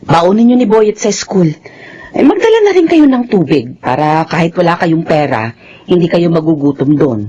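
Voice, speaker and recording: An actress playing a poor, caring mother who talks gently to her daughter. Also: on the low side, very animated, normal speed, husky, lo-fi sound. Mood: tender. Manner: gentle, tender.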